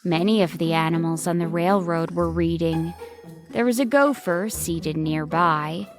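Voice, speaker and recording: A woman narrating a scripted bedtime story for children as the storyteller. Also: lowish voice.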